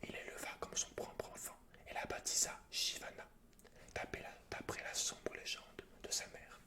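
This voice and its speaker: A man speaking in a soft, breathy whisper as an ASMR gaming host, informal and intimate. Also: moderate pace. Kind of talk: whispered ASMR, chatting and reading game lore aloud.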